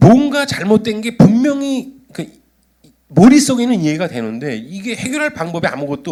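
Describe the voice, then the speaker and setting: A man's voice with very wide swings in pitch. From North Korea. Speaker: film director. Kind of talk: interview testimony. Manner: halting, many fillers.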